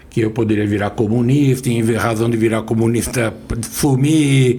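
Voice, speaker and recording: Noticeable background noise surrounds a man who speaks at a moderate pace. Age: 60s. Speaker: lawyer and law professor. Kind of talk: interview conversation.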